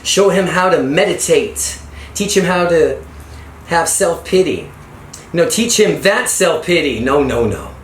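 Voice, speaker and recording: A man's voice: fairly high pitch, animated, measured pace. A middle-aged man reading a self-help book aloud as a father to his son, with encouraging asides and some stumbled, repeated lines. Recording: echoey room with background noise.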